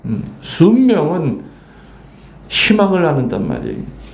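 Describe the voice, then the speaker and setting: A man's voice: fairly high pitch, huge pitch swings, a little slow, creaky. An older man, a Catholic priest, giving a playful sermon, teasing the congregation and acting out voices in a folk story. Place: church. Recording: echoey church room, faint ambience.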